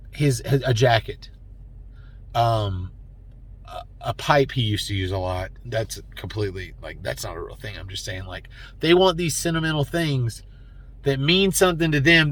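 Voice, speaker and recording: A man's voice: medium pitch, a bit bright, dry recording. A man vlogging, rambling and heartfelt, emotional and holding back tears, with many fillers. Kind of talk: personal talk to camera.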